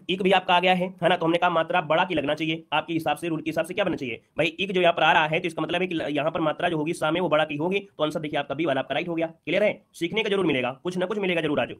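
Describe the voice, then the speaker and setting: A fast-talking man teaching an exam-prep lesson with a slightly high voice. He repeats each point and keeps asking students whether they follow, quizzing them with rhetorical questions. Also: fairly bright tone. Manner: repeats points with checking tags.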